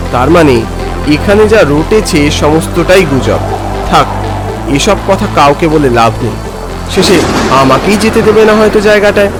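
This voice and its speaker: Animated male horror storyteller over music. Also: a little high, low-quality recording. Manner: theatrical, expressive. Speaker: narrator, telling as a film director character. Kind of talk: dramatic first-person horror story narration.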